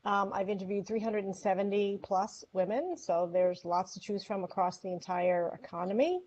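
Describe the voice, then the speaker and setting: Upbeat woman panelist on a video call, mid pitch, dull lo-fi audio. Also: normal speed, darkish tone. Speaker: guest, podcast host and ESG consultant. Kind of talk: casual panel chat.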